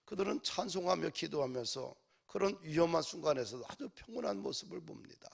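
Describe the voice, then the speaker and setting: A man's voice: fairly high pitch, creaky. A male pastor preaching a sermon in a church, building to emphatic exhortations.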